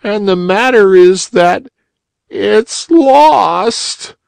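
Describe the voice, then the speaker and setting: A man voicing a sad little boy in blue who is lost and crying, in a high wailing voice. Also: expressive, drawn-out words, gravelly, clean tone, no echo, exaggerated voice. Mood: tearful.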